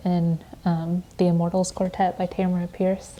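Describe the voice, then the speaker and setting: Somewhat breathy and in a US Midwestern accent, a woman speaks at a fairly slow pace with monotone, flat intonation. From Indiana, US Midwest. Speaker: novelist and streamer. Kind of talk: casual chat on a livestream. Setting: livestream from home.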